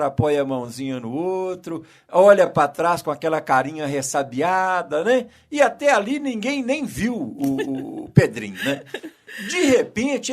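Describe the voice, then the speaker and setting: Male radio host, lively storyteller who acts out scenes, studio sound. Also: fairly high pitch. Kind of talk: casual radio chat, storytelling.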